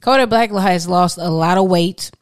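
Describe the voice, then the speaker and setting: A woman's voice: fairly low pitch, normal speed, clean tone. Teasing, blunt woman podcast host. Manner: blunt, teasing, laughs often. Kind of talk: casual podcast chat.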